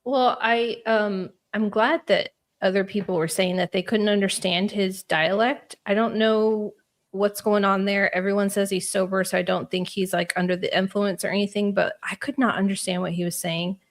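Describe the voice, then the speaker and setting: A woman with an average-pitched voice hosts a relaxed livestream chat. She rambles and thinks out loud, full of likes and ums. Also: normal speed. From Spain. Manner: rambling, thinks aloud with many fillers. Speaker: host.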